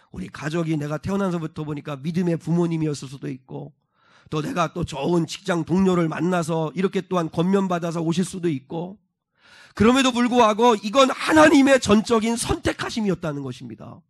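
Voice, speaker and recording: A pastor preaches in a church, his voice sitting high for a man. He explains a passage step by step and keeps putting questions to the congregation. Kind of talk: sermon. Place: church sanctuary.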